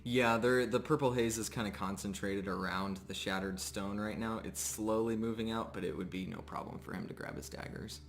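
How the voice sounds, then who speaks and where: A man working as game master, improvising descriptive narration for a tabletop game in a relaxed, pausing way. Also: fairly low pitch, creaky.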